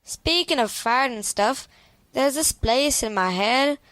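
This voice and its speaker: A woman's voice: high-pitched, expressive, takes it slowly, a bit bright, no room sound, full character voice. A woman playing a patient, encouraging young twin sister in an audio drama, colloquial and easygoing. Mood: earnest, hopeful.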